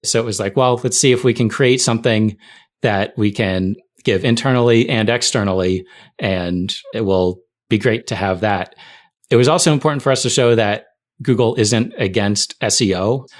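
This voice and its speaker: A man's voice: fairly low pitch, moderate pace. A middle-aged man speaking as a podcast guest, recollecting work stories in a casual conversational way. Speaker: podcast guest, tech writer.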